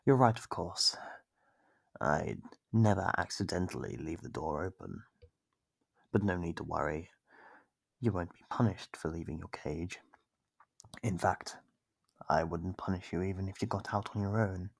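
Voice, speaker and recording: A man playing a sadistic monster in an ASMR horror roleplay, taunting captive prey with mock politeness in a gravelly, husky, whispery-edged voice, close to the microphone. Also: low voice, a little slow, long pauses, no echo, exaggerated voice. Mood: smug, menacing. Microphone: close, dry microphone.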